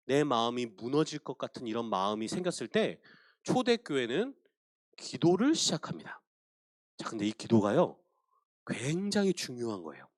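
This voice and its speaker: A man's voice: mid-range voice, dry recording, clean studio sound. A man preaching a sermon at a Christian school, telling the story with animation and addressing his listeners directly.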